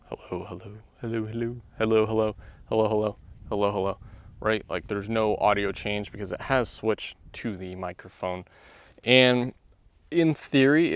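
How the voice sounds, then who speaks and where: A man's voice: fairly low pitch, no room sound. A man reviewing camera gear as a vlogger, rambling and thinking aloud while testing small wireless mics outdoors. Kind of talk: casual outdoor mic test talk. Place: outdoors in the wilderness, wind at times. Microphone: small wireless clip-on mic, moved around.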